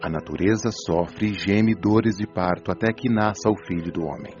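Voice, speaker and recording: Low-voiced, patient spirit mentor played by a man. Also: a little mellow, lightly acted. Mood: solemn explaining. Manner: didactic, measured, solemn explanation. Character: wise, patient male spirit mentor explaining life's truths. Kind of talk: audiobook radio drama acting. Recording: dull lo-fi audio over music.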